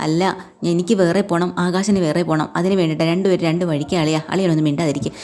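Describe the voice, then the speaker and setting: A woman voicing a level-headed uncle who calms his angry nephew in a retold family story. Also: on the high side, quick pace, natural voice. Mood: calming. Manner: soothing, urging calm.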